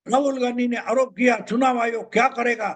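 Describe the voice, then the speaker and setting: Older male commentator, very high voice, emphatic and repetitive solo monologue. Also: fairly even intonation, a little fast. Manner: emphatic, repeats points. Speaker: political commentator.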